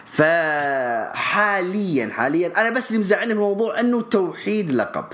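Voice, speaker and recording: A man, co-hosting a podcast in casual chat, animated and emphatic, often repeating himself. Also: high voice, fairly quick. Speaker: podcast co-host.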